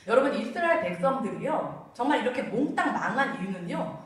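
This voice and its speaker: A woman evangelist preaching a sermon, telling the story with lively acted-out voices. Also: a little high, a little fast. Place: church sanctuary. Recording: echoey church hall, voice from far off.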